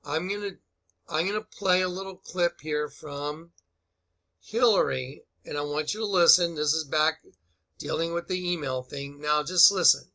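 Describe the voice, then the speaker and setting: A man's fairly high voice with a very bright, hard-edged sound. He talks informally as a video commentator, emphatic and incredulous, often repeating himself to drive things home. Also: moderate pace. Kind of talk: informal opinion commentary over played clips.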